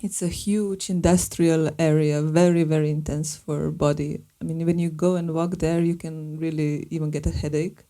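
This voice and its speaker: A woman speaks as a filmmaker on a live panel. Her voice sits low and sounds deeply mellow and dark. She talks thoughtfully and pauses to search for the right words. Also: level tone. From Slovenia. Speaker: filmmaker and artist guest.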